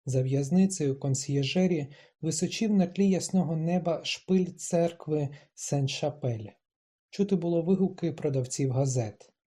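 Dark, husky-voiced audiobook narrator. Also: mid-range voice. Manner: measured, slow in descriptive passages. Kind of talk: literary audiobook reading.

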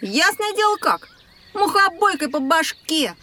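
A woman's voice: very high voice, big pitch swings, measured pace, sharp tone, slight background noise, full character voice. A woman voicing a cheeky, carefree young boy who talks in a boastful, playful way.

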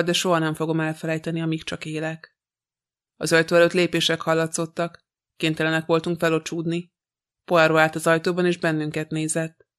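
A man reading a novel aloud in the first person, in an even, measured way. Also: fairly high pitch, smooth. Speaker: audiobook reader.

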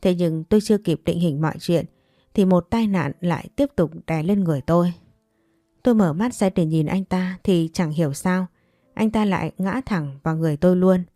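A woman's voice: lowish voice, moderate pace, warm tone, no echo, studio quality, soft background music. A woman narrating a first-person story in a blunt, hot-tempered manner.

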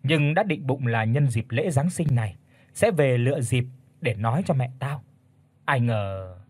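Man reading as a quiet sad schoolgirl, hesitant, kinda husky, dry sound. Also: medium pitch, lively intonation, a little slow, no echo. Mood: confiding. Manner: soft, hesitant. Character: gentle, sad teenage schoolgirl.

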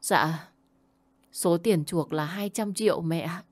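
A woman's voice: on the low side, slow pace, darkish tone, no room sound. A woman voicing a frightened young wife and mother who begs forgiveness from her mother-in-law. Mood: pleading. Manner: pleading, apologetic.

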